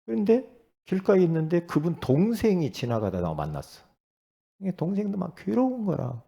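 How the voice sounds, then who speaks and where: A middle-aged male pastor preaching a sermon in a conversational way, swinging from loud bursts to hushed asides and often asking the congregation for assent. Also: high voice, huge pitch swings, moderate pace, creaky, muffled recording.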